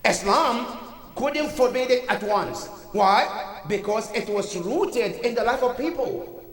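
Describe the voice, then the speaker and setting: A man's voice: very high-pitched, lively intonation, slow pace, a bit bright. A man from Africa giving a Friday sermon as imam, earnest and full of rhetorical questions, in a mosque prayer hall. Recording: echoey hall, voice from far off.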